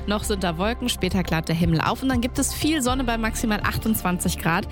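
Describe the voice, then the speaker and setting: A woman's voice: medium pitch, fairly quick. A woman hosting a morning radio show, chatting breezily while she has a cold and a stuffy nose. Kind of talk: casual radio chat. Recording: music bed under voice.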